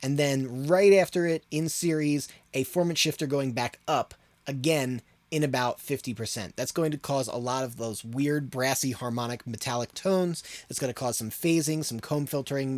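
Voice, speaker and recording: A man's voice: mid-range voice, normal speed, dry recording. Man teaching casually in a dry studio. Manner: informal, rambling, thinks aloud. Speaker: audio production tutorial host. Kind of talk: casual explanatory tutorial.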